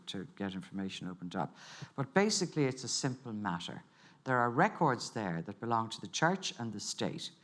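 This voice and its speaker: A man moderates a festival panel. He speaks in an animated, emphatic way and often restarts his sentences. His pitch swings up sharply when he makes a point.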